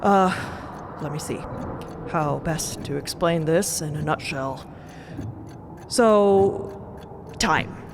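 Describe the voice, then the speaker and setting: Audio drama officer: low register, hesitant, polite to superiors, nervously placating. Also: female voice, very slow, pauses often, noisy background, heavily acted. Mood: flustered, hedging. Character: nervous, deferential male timekeeper officer. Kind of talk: audio fiction acting.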